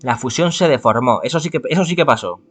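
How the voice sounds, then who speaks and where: Quick and lively in intonation, this man's mid-range, slightly bright voice moves through a visual novel he is reading aloud. He has a Spanish accent from Spain and stumbles, often self-correcting and adding asides.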